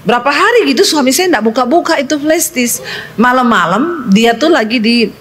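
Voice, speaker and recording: Lively middle-aged woman pastor preaching. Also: normal speed. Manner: lively storytelling, acting out dialogue with pitch jumps. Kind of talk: sermon.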